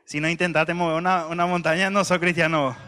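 A man, preaching a sermon as a joking, conversational story with bursts of loud emphasis. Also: a little high, level tone, a little fast.

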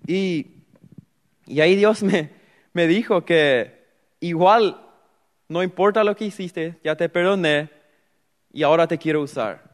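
Young paraguayan guy preaching his story, voice a bit high, big echoey church hall. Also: measured pace, long pauses. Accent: Paraguayan Spanish. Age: young adult. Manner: earnest storytelling with voiced-out inner dialogue. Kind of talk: sermon testimony.

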